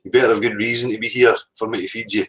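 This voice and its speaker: A man's voice: fairly low pitch, fairly even intonation, racing, a bit bright, low-quality recording. A man with a Scottish accent chatting casually as a livestream host and reading out the live chat.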